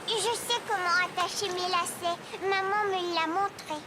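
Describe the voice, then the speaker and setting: A woman's voice: extremely high pitch, steady tone, moderate pace, noisy background. A woman voicing an eager, persistent little preschool boy in a children's cartoon, with simple childlike phrasing. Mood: earnest.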